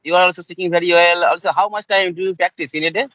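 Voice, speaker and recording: A man's voice: high voice, fairly even intonation, fast, pushed and bright, no echo. A man interviewing a guest in a casual English practice conversation, polite and deferential and often addressing him as sir.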